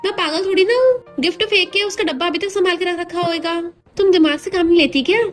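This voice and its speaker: A woman's voice: extremely high pitch, fast talker, soft background music. A woman voicing a cocky, bossy young man who teases the woman he married, in a retold drama scene. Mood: teasing. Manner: teasing, bossy. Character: cocky young male heir, teasing and bossy.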